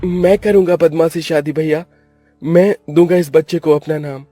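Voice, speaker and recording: A man's voice: fairly high pitch, fairly even intonation, moderate pace, warm tone, soft background music, pitched above the performer's own voice, close to an everyday voice. A man voicing an earnest, kind young man in a cartoon. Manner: earnest, resolute.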